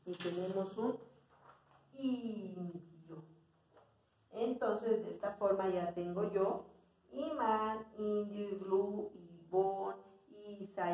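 A woman teaching a preschool class, speaking slowly and clearly and sounding out words for young children. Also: medium pitch, darkish tone. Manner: patient, sounding out words and checking in with "¿sí?". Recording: roomy sound from away from the mic.

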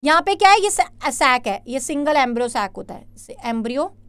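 Woman, very high voice, dry close sound; upbeat online tutor calling out student answers. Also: sing-song, a bit bright, smooth, no room sound. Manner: interactive, reads out students' answers and praises them; mixes Hindi with English terms, reads questions slowly. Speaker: online biology teacher. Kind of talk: live online exam-prep class.

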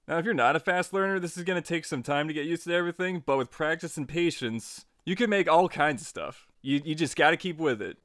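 A man narrating a casual software tutorial as its host, in an informal, jokey and playfully emphatic way. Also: mid-range voice, dry recording, studio quality. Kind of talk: casual tutorial narration over screen recording.

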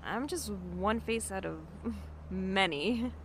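A woman playing a shy, friendly young bookstore worker in an audio drama, soft-spoken and hesitant. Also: mid-range voice, takes it slowly, a little hiss or hum.

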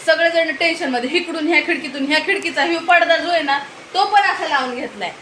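A woman vlogger chatting at home, telling an animated story and scolding in a casual family vlog. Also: high voice, a little fast. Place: home indoors. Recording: echoey home room with noise.

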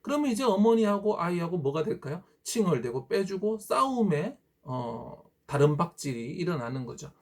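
A man in his thirties, a teacher calmly giving parents advice in a polite, explanatory talk. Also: high-pitched, normal speed, hardly any pauses. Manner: acts out parent and child lines in quotes, polite explanatory tone.

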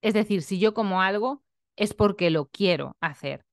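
A young woman who works as a nutritionist and vlogs speaks in a medium pitch at a moderate pace, earnest and frank, often adding tag questions. Her reflective vlog talk is recorded cleanly in a studio without echo.

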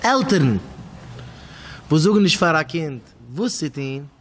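Rabbi with Hasidic Yiddish accent, echoing hall. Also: male voice, on the high side, unhurried, background noise. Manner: storytelling, animated swings in loudness, repeats words. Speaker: rabbi giving a talk. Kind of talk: Yiddish sermon with stories.

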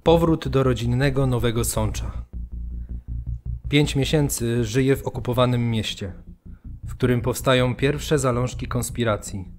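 An actor playing a young Polish student who reflects on war and occupation with deliberate phrasing in a documentary radio drama. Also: male voice, mid-range voice, darkish tone, faint music behind, close to an everyday voice. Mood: grave reflection.

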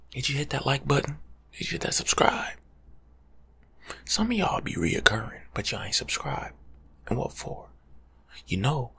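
A young American man doing a casual, slangy ASMR life coach roleplay in a hushed, breathy half-whisper, close to the mic. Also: medium pitch. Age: young adult. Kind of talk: ASMR roleplay monologue, softly spoken and whispered. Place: small room at home, indoors.

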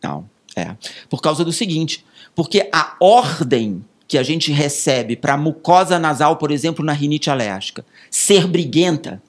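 A man with a Brazilian Portuguese accent, a pulmonologist answering interview questions, explaining slowly with vivid everyday examples. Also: fairly high pitch, animated.

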